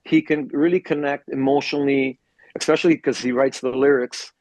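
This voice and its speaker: A man's voice: mid-range voice, fairly even intonation, brisk, a little mellow, no room sound, rough recording. A man on a video call, explaining steadily and earnestly as a songwriter guest. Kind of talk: casual interview chat.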